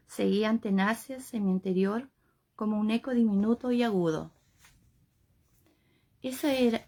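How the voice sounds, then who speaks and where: A woman from Chile, reading a novel aloud in an unhurried, plain first-person way. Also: fairly high pitch, warm tone. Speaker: volunteer audiobook reader. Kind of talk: audiobook reading.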